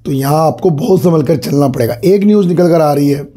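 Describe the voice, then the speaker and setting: Hoarse man talking stock market news. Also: fairly high pitch, brisk, warm tone. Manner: conversational, addresses viewers as sir, repeats phrases. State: hoarse from a cold. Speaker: stock market channel host. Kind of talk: casual market commentary to camera.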